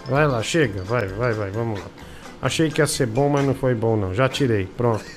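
A man's voice: mid-range voice, brisk, over music. A man hosting a casual comic live stream, mocking pictures and reading viewer messages aloud. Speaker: show host.

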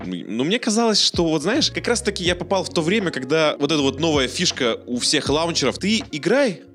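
A man's voice: a little high, sing-song, a little fast, fairly bright tone. A man chatting casually about video games as a podcast co-host, informal and slangy. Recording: music under the voice. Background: background music.

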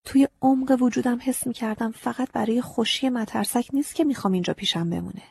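A woman narrates a story in the first person, often sinking into a half-whisper. Her voice is very husky and warm-toned. The recording is dry and close. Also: on the high side, no echo. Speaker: audiobook narrator.

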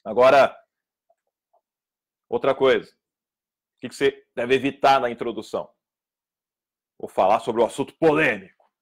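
A man gives an informal public speaking lesson. His voice is husky and sits at a middle pitch. He talks emphatically, scolding bad habits and acting out his students. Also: a little slow, long pauses. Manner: emphatic, lively, scolding tone, acts out quoted students.

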